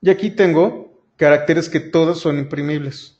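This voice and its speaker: A man's voice: a little high, normal speed, a little mellow. A male programming instructor, explaining a coding lesson step by step and speaking directly to his students. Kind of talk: screen-recorded coding lesson. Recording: dull lo-fi sound.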